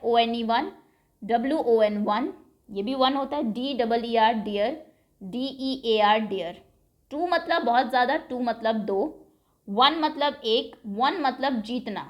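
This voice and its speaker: Woman, teacher, slow lesson explanation, slightly high voice, patient, repeats words. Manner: switches between reading English aloud slowly and explaining in Hindi.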